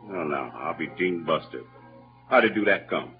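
An actor playing Jim, a simple-hearted kindly man who speaks in a rural Southern dialect, in an old-time radio drama. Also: unhurried. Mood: puzzled, earnest. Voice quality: lively, swooping between low mutters and high exclamations. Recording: dull lo-fi old radio recording with music.

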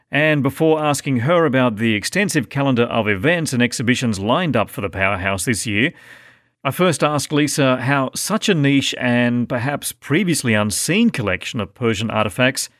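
A man hosting a radio interview in a smooth, conversational presenter manner. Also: medium pitch, expressive, normal speed, fairly bright tone, no room sound, studio quality.

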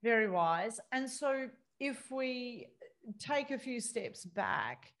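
A woman's voice: a little high, sing-song, fairly bright tone. A woman, hosting a podcast interview in a chatty, laughing way. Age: 50s. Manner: chatty, laughs often, quick bursts. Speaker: podcast host.

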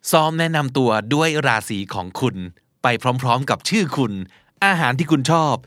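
A man's voice: mid-range voice, expressive, normal speed, fairly bright tone, no room sound, studio quality. A man with a Thai accent, hosting a pronunciation lesson and spelling English words out letter by letter.

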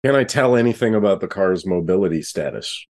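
Man, low-pitched, tabletop game player, casual table talk. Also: animated, a little fast, a little mellow.

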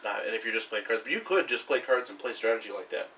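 A man chatting on a podcast in a quick, hesitant way, heard through a low-quality backup microphone. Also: animated, pushed and bright. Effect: low-quality backup mic recording. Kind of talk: casual podcast chat. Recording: distant, noisy backup mic.

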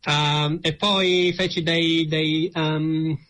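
Man, Italian accent, slightly high bright voice, hesitant, repeats words, conversational storytelling. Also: level tone, very slow, a little hiss or hum. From Italy. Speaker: interview guest.

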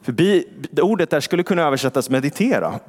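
A male pastor giving a sermon in a church, with a conversational style, asking rhetorical questions and reading scripture slowly. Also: on the high side, big pitch swings, a little mellow. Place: large church hall. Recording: long church reverb.

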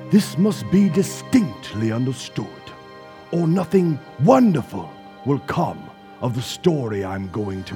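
Guy narrating a radio play, slow and gravelly, mellow, really dramatic delivery. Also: on the high side. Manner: dramatic, deliberate, dropping at times to a hush. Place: stage in front of a live audience. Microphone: stage microphone.

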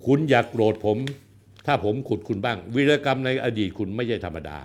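A man's voice: mid-range voice, lively intonation, a little fast. An older man in his sixties, a political commentator addressing a rival directly, blunt, coarse and accusatory. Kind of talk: confrontational on-camera address.

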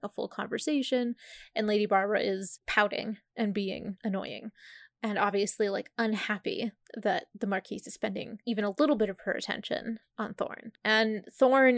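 A woman's voice: medium pitch, dry recording. A woman co-hosts a casual book discussion and retells the story in a chatty, filler-heavy way. Her voice sits in a middle register and sounds close and dry. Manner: retells the plot with many "like"s. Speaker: podcast co-host.

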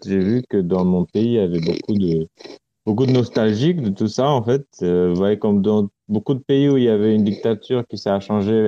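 A man from Romania, a guest speaking in a halting way and searching for words, heard over a remote call connection. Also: low-pitched, warm tone. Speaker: artist guest. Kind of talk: casual interview talk. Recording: dull lo-fi call audio, dry.

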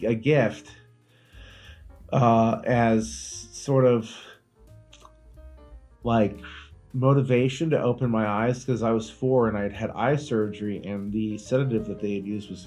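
A man co-hosting a comedy podcast, trading deadpan jokes and telling rambling stories in casual chat. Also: on the low side, a little slow, faint music behind. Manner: deadpan joking, rambling storytelling. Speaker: podcast co-host.

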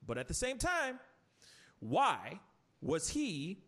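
Podcast host, male, lively swooping delivery, slightly high voice, riffs and rants with rhetorical questions. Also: slow. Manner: animated ranting, rhetorical questions, frequent restarts. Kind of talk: casual chat.

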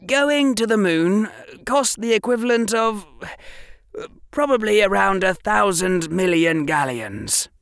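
A man's voice: high-pitched, expressive, unhurried, vocal fry, a bit bright, dry recording, clean studio sound, voice pushed up, heavily acted. Man doing a precocious lecturing boy. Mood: proud, explaining. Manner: earnest lecturing with proud tremble. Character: precocious earnest boy explaining science.

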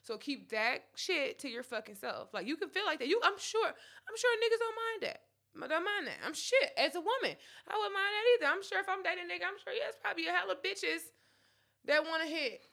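A woman with co-hosts a casual talk show, blunt, profane and animated. Her voice sits high and has a sharp, bright edge. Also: brisk, creaky. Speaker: podcast co-host. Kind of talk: casual chat.

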